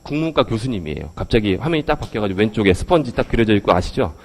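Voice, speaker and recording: Guy lecturing a crowd on a handheld mic, talks quick, voice bounces all over, keeps throwing questions at the room. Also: on the low side, a little hiss or hum. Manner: lively, questions the audience. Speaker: English education lecturer. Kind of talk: lecture to a live audience. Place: lecture hall with audience.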